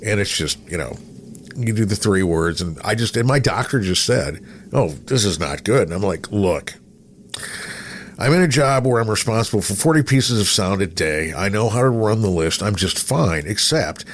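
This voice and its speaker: A man's voice: lowish voice, lively intonation, normal speed, a little hiss or hum. A man in his sixties chatting casually and in a rambling, self-deprecating way, like a seasoned radio co-host. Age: 60s. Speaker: podcast co-host and radio broadcaster. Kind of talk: casual conversational chat.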